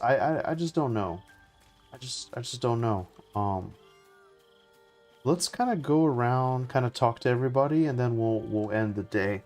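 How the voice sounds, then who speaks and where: A man's voice: on the low side, darkish tone. A man giving casual live game commentary as a streamer, rambling and friendly to viewers.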